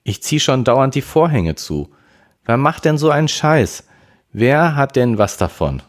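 A man's voice: mid-range voice, sing-song, moderate pace, pitched above the performer's own voice. A man voicing a worried, irritable teenage girl who talks anxiously and snaps easily, in an audiobook reading. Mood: fretful.

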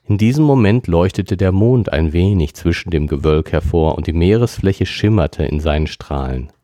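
A man reading a classic novel aloud as a podcast narrator, in a steady storytelling manner. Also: sits low, normal speed, no echo, clean studio sound. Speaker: podcast reader. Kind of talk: audiobook reading.

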